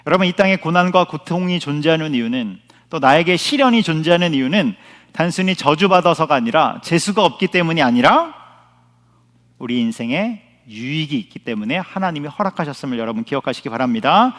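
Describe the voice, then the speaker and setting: Male pastor, slightly high voice, emphatic sermon delivery with repeated phrases, long church reverb. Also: expressive, a little fast, a bit bright. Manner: emphatic preaching, repeating key phrases, asking the congregation questions. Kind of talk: sermon at a Friday prayer meeting. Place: church sanctuary.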